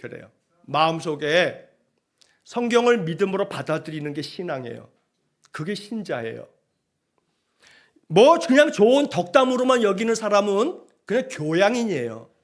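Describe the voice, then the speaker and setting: A male pastor delivers a sermon in a church sanctuary. His voice sits high and swings widely as he coaxes the congregation to repeat lines back to him. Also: moderate pace, long pauses. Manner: animated, coaxing the congregation to repeat aloud.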